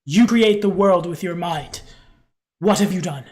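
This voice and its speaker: A man's voice: sits high, measured pace. A stern mystical woman of dreams, acted by a male game master. She speaks solemnly and with reproach, as a guide in a fantasy tabletop game. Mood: reproachful.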